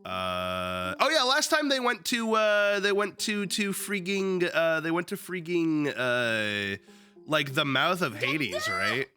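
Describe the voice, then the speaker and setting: Sniffly young man, bright and animated. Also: a little high, slow pace, faint music behind. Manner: loose, joking, swears freely, lots of fillers. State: sniffly, still a little sick. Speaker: streamer reading a book aloud. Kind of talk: casual livestream chat and book reading. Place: at home with his dog.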